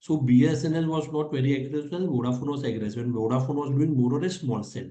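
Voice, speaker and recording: A man's voice: mid-range voice, fast talker, warm tone. A man with an Indian accent, a company executive answering analyst questions on an earnings call in an explanatory way, repeating his points. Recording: echoey conference call audio.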